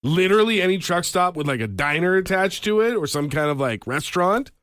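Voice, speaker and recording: Male co-host, highish and very animated, joking banter, wry exaggeration, dry studio recording. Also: a little fast, dry recording. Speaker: radio podcast co-host. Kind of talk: casual morning show banter.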